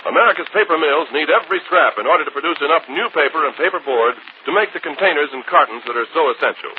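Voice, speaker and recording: A man's voice: on the high side, animated, quick pace. A man announcing for 1940s radio, hearty and persuasive. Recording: tinny old radio broadcast, faint hiss.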